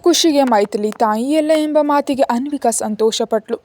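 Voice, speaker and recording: A woman narrating a spoken story in a calm, even storytelling manner. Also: sits high, moderate pace, a little hiss or hum.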